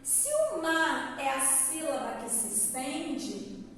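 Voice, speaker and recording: A woman's voice: high voice, very animated, takes it slowly, fairly bright tone. Woman teacher, patient explainer who sings out words; long reverb, faint noise behind. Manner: explanatory, checks in with "certo?" and "tá?"; calls out words in a stretched, sung tone. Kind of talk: recorded classroom lesson. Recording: echoey hall from far off, faint background noise.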